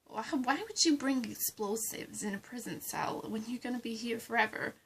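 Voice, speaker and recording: A woman voicing a scheming female supervillain in a fan roleplay, talking slowly and condescendingly and dropping into menacing whispers. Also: on the high side, vocal fry, slight background noise, low-quality recording. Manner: slow, condescending, drops into menacing whispers, calls everyone darling.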